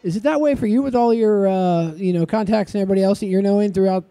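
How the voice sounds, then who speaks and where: A man from Ohio hosting a live podcast at a convention, chatty and quick to agree. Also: high voice, warm tone. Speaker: podcast host. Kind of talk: casual chat on a live podcast stage.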